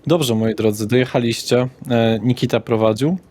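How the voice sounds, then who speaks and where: A man's voice: medium pitch, fairly even intonation, normal speed, darkish tone. A man refereeing a tabletop role-playing game as game master, explaining things in a conversational way.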